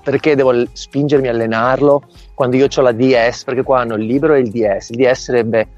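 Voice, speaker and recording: A man's voice: medium pitch, fairly even intonation, fast talker, darkish tone. A middle-aged man, a volleyball coach, speaking over a remote call line in an interview. He explains at length and often checks that the listener has understood. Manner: explanatory, often asks "capito?". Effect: heard over a remote call line. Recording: dull lo-fi call audio, faint music.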